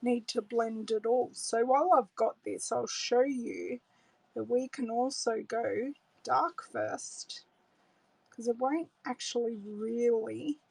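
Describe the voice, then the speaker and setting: A woman's voice: fairly high pitch, creaky, slightly rough, dry recording, poor audio. A middle-aged Australian woman demonstrating card making on a live stream, chatting casually and thinking aloud as she works. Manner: chatty, relaxed, thinks aloud while working. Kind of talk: live craft tutorial with viewer greetings. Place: home craft room, indoors. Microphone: overhead camera setup, hands on desk.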